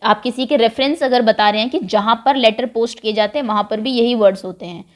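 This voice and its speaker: Woman, teacher, patient explaining, slightly high voice. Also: a little fast. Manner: mixes English phrases into Hindi explanation, patient. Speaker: English teacher. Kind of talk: explaining a worksheet to pupils.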